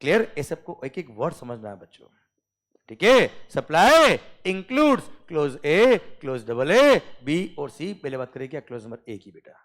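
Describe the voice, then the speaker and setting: A man with an Indian accent teaching a classroom lecture. He dictates slowly word by word, then explains quickly and keeps checking that the students follow. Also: on the high side, big pitch swings, a bit bright. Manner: checks understanding often, calls students "beta" and "sir".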